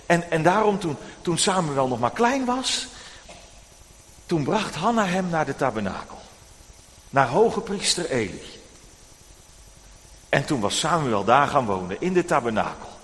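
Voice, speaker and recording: Male preacher, children's sermon; high, very animated storytelling, reverberant church hall. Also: a little slow, pauses often. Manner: animated, addressing children directly.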